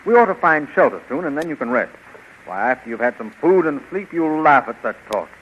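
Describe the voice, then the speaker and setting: A cocky young space hero. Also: male voice, fairly high pitch, sing-song, fairly quick, slight background noise. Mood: reassuring. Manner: confident, reassuring. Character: bold young male adventurer hero. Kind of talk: 1930s radio drama acting. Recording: dull 1930s radio recording.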